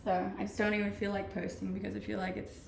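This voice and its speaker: A woman's voice: medium pitch, little pitch movement, fast talker, vocal fry, darkish tone, far from the mic. A woman in her twenties from Denmark, live streaming and chatting casually with viewers while reading comments, laughing often and restarting her sentences. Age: 20s. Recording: roomy echo, voice off-mic, faint noise.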